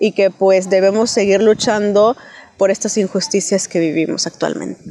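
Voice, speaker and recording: A woman with a Guatemalan accent speaks at a moderate pace and medium pitch. Noticeable background noise runs underneath. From Guatemala, Verapaces. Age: young. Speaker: peasant organization member. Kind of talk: interview.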